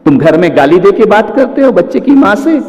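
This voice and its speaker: A man giving a sermon as a Hindu-speaking preacher, acting out little stories and swinging from quiet to shouting. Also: sits high, big pitch swings, brisk. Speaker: Jain monk preacher. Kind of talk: sermon with acted anecdotes. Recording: reverberant hall.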